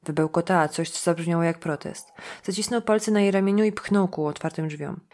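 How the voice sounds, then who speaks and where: Low-voiced woman audiobook narrator. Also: brisk, darkish tone. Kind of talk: scripted narration.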